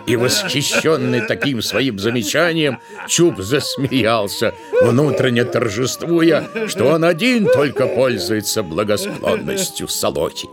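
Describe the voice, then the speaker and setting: A man's voice: medium pitch, very animated, a little slow, crowd noise. A man narrating a literary tale as a scripted storyteller in an audio drama.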